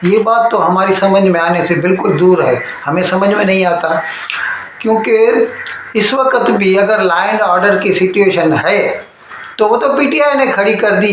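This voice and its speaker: A man's voice: high-pitched, fairly bright tone. A man with a South Asian accent giving news commentary, explaining conversationally to viewers and mixing in English terms. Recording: very echoey room, faint background noise.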